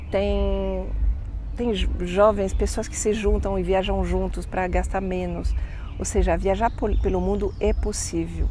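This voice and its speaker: A middle-aged woman from Canada, a French native speaker, talking in a casual interview and often pausing to restart her words. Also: mid-range voice, a little mellow, a little hiss or hum. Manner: thoughtful, pauses and restarts words. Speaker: interview guest.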